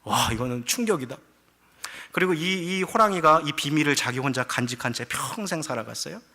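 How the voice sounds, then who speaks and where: A man's voice: on the high side, a little fast, gravelly, bright, forceful tone. A man preaching a sermon as pastor, earnest and telling a folktale with animation.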